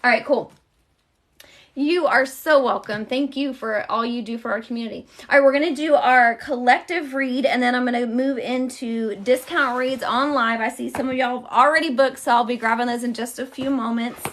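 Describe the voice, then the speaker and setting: A woman hosting a live-streamed tarot card reading. She chats casually with her viewers and speaks calmly and encouragingly when she gives guidance. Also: fairly high pitch, normal speed. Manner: chatty, addresses viewers directly with y'all.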